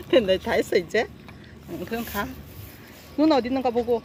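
A woman's voice: a little high, animated, normal speed, darkish tone, slight background noise. A woman walking her dogs outdoors, chatting casually on a phone live stream and fondly scolding her pets. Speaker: dog owner live-streaming a walk. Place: outdoors on a walking path by stepping stones.

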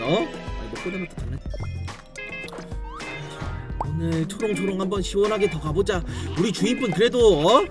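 A man doing live game commentary as a streamer, theatrical and exclamatory, playfully addressing his viewers. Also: sits high. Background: game music.

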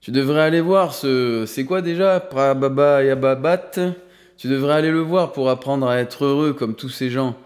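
An older man with a medium-pitched, natural voice plays an exuberant, wealthy elderly grandfather who has suddenly turned generous. He speaks at a normal speed, jovial, enthusiastic, playful and mischievous, with firm emphasis. His words echo in a long hall reverb.

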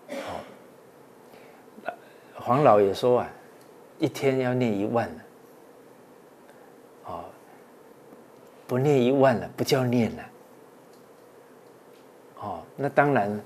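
Man, Buddhist monk, dharma talk, mid-pitched voice, drawn-out fillers, faint hiss behind. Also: a little mellow. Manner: frequent drawn-out "ah" and "oh" fillers, earnest exhorting.

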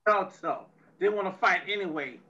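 A drunk, swaggering female tough, played by a woman, profane and menacing in every line. Her voice is bright and cutting. The lo-fi recording dulls the sound. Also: medium pitch, lively intonation, moderate pace. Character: brash foul-mouthed drunk female tech expert. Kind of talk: amateur audio drama reading. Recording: dull lo-fi audio.

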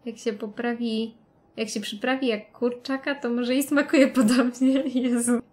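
Slow-talking woman streaming a game. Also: fairly high pitch, steady tone, darkish tone. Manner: chatty, greets chat viewers, laughs often. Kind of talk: live let's-play commentary.

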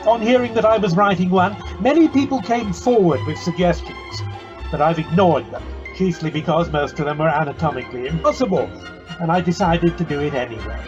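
A man's voice: fairly high pitch, brisk, music in the background. A man presenting a scripted comic introduction to an amateur show in a wry, theatrical manner. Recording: slightly dull home video-call recording.

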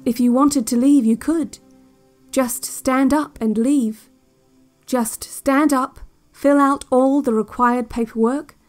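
A woman playing a calm, controlling institute narrator on a relaxation cassette, speaking in a measured and quietly menacing way. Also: fairly high pitch. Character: soft-spoken, controlling female institute narrator on a relaxation tape. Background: music.

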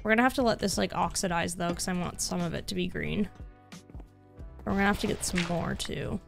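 A woman's voice: lowish voice, fairly quick, vocal fry, over music. A young adult woman streaming a game, chatting casually in a bubbly way with lots of filler words. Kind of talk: casual chat while playing a game.

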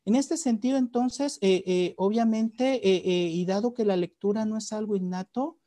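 Mexican man presenting on a video call, mellow. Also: high voice, moderate pace, no room sound. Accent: Mexican Spanish. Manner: frequent hesitations and repeated words. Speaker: webinar presenter. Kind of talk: academic presentation. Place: home room, on a video call. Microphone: webcam or computer mic on a video call.

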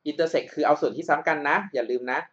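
A man's voice: fairly high pitch, fast, fairly bright tone, muffled recording. A man tutoring math over a screen recording, explaining each step patiently and checking that the listener follows.

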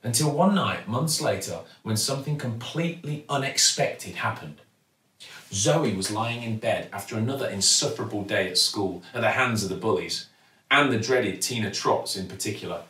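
A man's voice: lowish voice, normal speed, pushed and bright. A middle-aged man reads a children's story with an actor's expression. He sits a little back from the mic in a roomy-sounding space. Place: living room at home, indoors. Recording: roomy, slightly distant mic.

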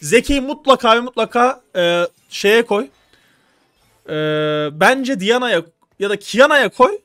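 A young man streaming live, coaching players through a strategy game with urgent, animated instructions. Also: very high-pitched, a little slow, dry recording, clean studio sound.

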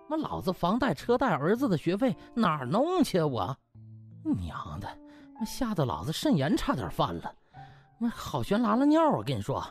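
A man acting a crude, rattled, grumbling doctor. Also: fairly high pitch. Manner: sweary, blustering, comic.

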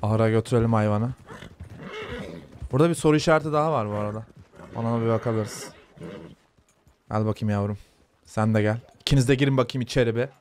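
A young man casually commenting on his gameplay, chatting to his viewers and softly calming a horse in the game. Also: medium pitch, quick pace, pauses often, slight background noise. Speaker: gaming YouTuber. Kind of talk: casual let's-play commentary.

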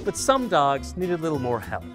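A man's voice: on the high side, very animated, normal speed, fairly bright tone, faint music behind. A man with an American accent voicing a chirpy, cheeky dog mascot in a charity advert. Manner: upbeat, bouncy.

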